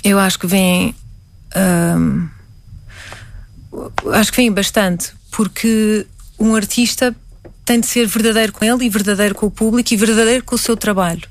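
A woman's voice: medium pitch, steady tone, normal speed, pauses often, a little hiss or hum. A woman from Portugal with a European Portuguese accent, a painter answering interview questions reflectively, often restarting her words.

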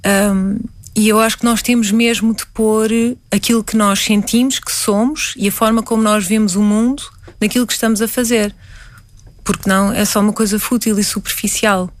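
A woman's voice: mid-range voice, steady tone, moderate pace, dry recording. A woman from Portugal with a European Portuguese accent, a painter answering interview questions reflectively, often restarting her words.

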